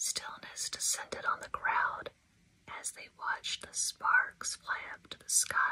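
Someone whispers at a fairly slow pace. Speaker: reader. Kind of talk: audiobook reading. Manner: whispered.

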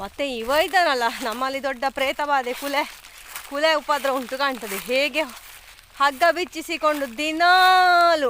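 Over noticeable background noise, a woman uses a raised, projected voice, high in pitch with ordinary pitch variation. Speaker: village lifestyle vlogger, housewife. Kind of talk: casual vlog monologue. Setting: outdoors on a farm. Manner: forceful, assertive.

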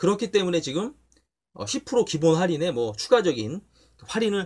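Slowly, at a fairly unhurried pace, a man speaks in a high voice that swings very widely in pitch. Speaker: car-buying YouTuber. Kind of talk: car review tutorial. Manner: halting, stumbling.

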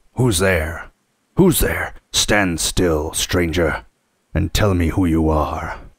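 In a put-on character voice, a man growls at a very slow pace with a raspy, very deep, low pitch. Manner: menacing, demanding.

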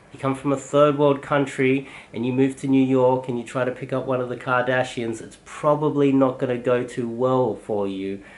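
With an Australian accent, a man speaks at a fairly slow pace and keeps his intonation fairly even. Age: 30s. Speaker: dating coach. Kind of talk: monologue to camera; casual vlog chat. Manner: hesitant with fillers. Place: home room.

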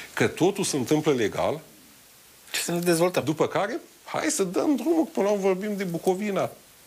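A man at a moderate pace. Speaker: guest, politician. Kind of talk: interview answer. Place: studio. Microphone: lapel.

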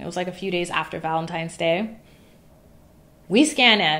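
The woman speaks at a moderate pace with ordinary pitch variation. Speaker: vlogger. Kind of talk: casual storytime chat. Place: home room.

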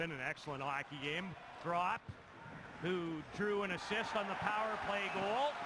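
A man uses a raised, projected voice at a high pitch and moderate pace, with ordinary pitch variation. Loud background noise surrounds the dry sound with no echo. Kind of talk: live play-by-play commentary; sports commentary.

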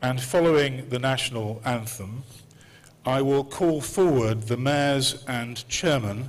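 A man speaks at a very slow pace. His voice is somewhat breathy. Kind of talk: formal public address. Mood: solemn, formal. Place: street. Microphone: podium.

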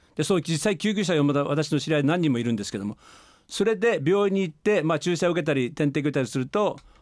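A very fast, fairly high-pitched male voice with vocal fry and very wide pitch swings, over a quiet background. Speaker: radio host and medical doctor. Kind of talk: radio talk show. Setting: radio studio. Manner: frequent filler words. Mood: friendly, relaxed. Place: studio. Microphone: studio mic.

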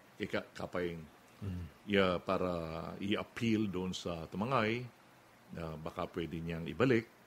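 Here a man speaks. His pitch is very deep and low. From Philippines. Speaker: radio broadcaster. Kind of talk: interview answer.

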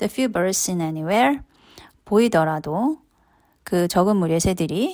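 A woman speaks at a fairly slow pace with lively intonation and a medium pitch, recorded very cleanly against a silent background. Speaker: English reading teacher. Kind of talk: reading aloud with line-by-line translation. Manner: halting, with frequent fillers.

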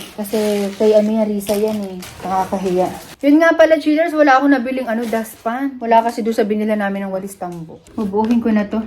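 Talking at a fairly quick pace with hardly any pauses, a woman uses a fairly high pitch and ordinary pitch variation over noticeable background noise. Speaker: vlogger. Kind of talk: casual vlog narration.

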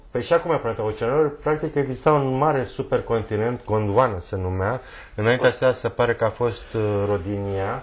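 Fairly quick, somewhat breathy speech from a man in a medium pitch with ordinary pitch variation. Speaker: co-presenter.

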